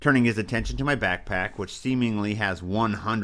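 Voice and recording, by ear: In a natural voice, someone reads aloud, the pitch rising and falling by ordinary amounts.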